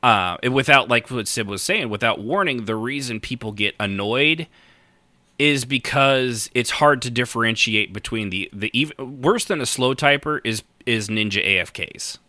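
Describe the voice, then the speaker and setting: A man's voice: mid-range voice, moderate pace, bright, forceful tone, dry recording. A man co-hosting a podcast, talking in a blunt, informal way as he chats and addresses listeners. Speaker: podcast co-host. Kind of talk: casual chat, answering listeners.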